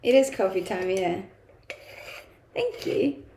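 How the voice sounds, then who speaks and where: A woman's voice: medium pitch, animated, takes it slowly, gravelly, mellow, reverberant, slight background noise. A young woman from Denmark whose first language is Danish, chatting casually on a live stream and reading out viewer comments, laughing often and using many fillers.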